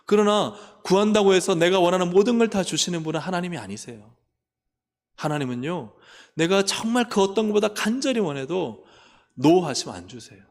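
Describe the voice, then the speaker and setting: A male pastor preaches a sermon in a church sanctuary, with the long reverb of a church hall on the recording. His voice is high and brisk with lively intonation. He keeps asking the congregation questions and acts out complaining prayers in a raised voice.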